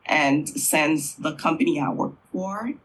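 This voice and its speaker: A middle-aged man from Haiti, a Creole language teacher, answering interview questions in an unhurried, thoughtful way with frequent fillers. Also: fairly high pitch, fairly bright tone, a little hiss or hum, rough recording.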